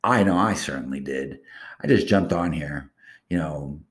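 A very deep-voiced man rambles through a solo podcast. He talks in a boastful, crude way, drifting from one loose thought to the next. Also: expressive, normal speed. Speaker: podcast host. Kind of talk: casual solo podcast monologue.

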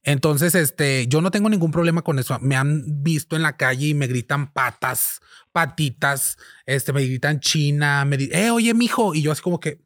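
A woman's voice: sits low, steady tone, normal speed, dry recording, clean studio sound. A trans woman with a Mexican accent, a guest talking casually and bluntly, swearing freely. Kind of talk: casual chat. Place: podcast studio.

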